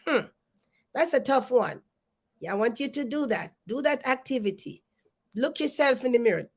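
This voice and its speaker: A woman's voice: sits high, animated, moderate pace, slightly rough. A middle-aged woman hosting an encouraging self-help talk, sounding stuffy and congested, with many ums and repeated phrases. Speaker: host. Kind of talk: motivational live-stream talk.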